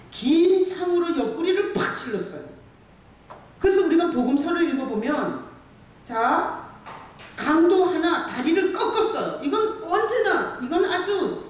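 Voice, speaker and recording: Pastor preaching hard in a big echoey church, mic way off, keeps asking the crowd questions. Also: very high voice. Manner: emphatic, asks the congregation rhetorical questions. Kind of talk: sermon. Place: church sanctuary. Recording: very echoey church hall, far from the mic, faint hiss.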